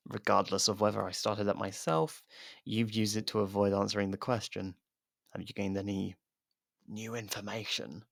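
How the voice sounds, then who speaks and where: A man's voice: fairly low pitch, gravelly, dry recording, studio quality. A man acting out a sardonic, taunting, casually profane imprisoned murderer in an ASMR roleplay. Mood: smug, goading. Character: sardonic imprisoned murderer reluctantly partnered with a detective.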